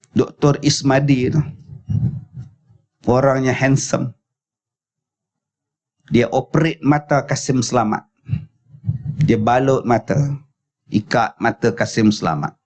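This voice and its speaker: A man's voice: mid-range voice, darkish tone. A man with a Malaysian accent, a preacher telling stories at a religious lecture at a school, often calling the audience tuan-tuan, on a slightly muffled recording. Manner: storytelling, addressing audience as tuan-tuan.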